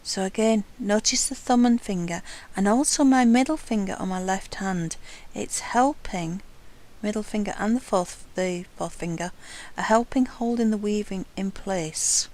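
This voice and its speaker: A woman, calmly talking through a hands-on wire jewelry tutorial as she works. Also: mid-range voice, moderate pace, low-quality recording. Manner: calm, careful, talks while working with hands. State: has hiccups. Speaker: jewelry-making instructor. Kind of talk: hands-on craft tutorial narration.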